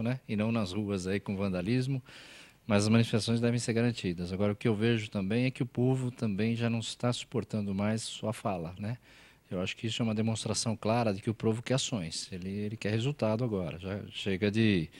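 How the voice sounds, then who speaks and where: A man's voice: lowish voice, steady tone, fast talker, darkish tone. A man speaking as a state deputy and colonel on a studio panel talk show, direct and conversational.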